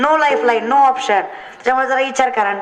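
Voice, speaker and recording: Music plays behind a woman speaking. Her pitch is high, with ordinary variation. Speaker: kirtan preacher. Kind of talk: devotional sermon with humor.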